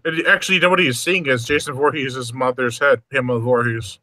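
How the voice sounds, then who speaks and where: A man in his mid twenties co-hosting a casual watch-along, playful and teasing with quick wisecracks. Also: mid-range voice, steady tone, bright, forceful tone, no room sound. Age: 20s. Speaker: co-host.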